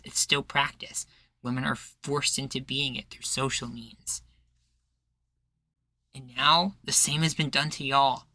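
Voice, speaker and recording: A defiant, charismatic male rebel leader, acted by a man for an audio roleplay. His voice is bright and forceful in a very dry space. He speechifies earnestly and persuasively, in folksy phrasing. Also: medium pitch, no echo. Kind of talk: roleplay ASMR acting.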